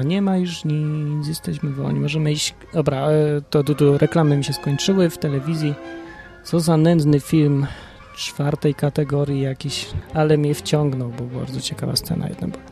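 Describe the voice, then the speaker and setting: A man's voice: a little high, vocal fry, mellow. A man hosting his own podcast in a rambling, self-ironic casual monologue. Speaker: podcast host.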